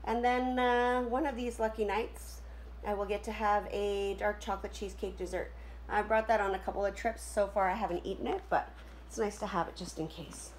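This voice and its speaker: A woman's voice: medium pitch, fairly even intonation, a little hiss or hum, poor audio. Chatty woman showing her camping food. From Canada. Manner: chatty, many ums and uhs, listing items quickly. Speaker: camping vlogger. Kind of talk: casual show-and-tell vlog. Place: home room with wooden floor, indoors.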